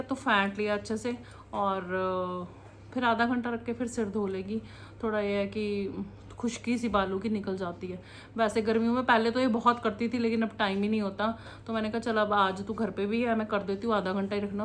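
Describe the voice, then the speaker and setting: A woman's voice: medium pitch, a little hiss or hum. A woman, chatting casually and rambling as she cooks in her home kitchen, laughing often. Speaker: vlogger, mother. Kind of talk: casual home vlog chat.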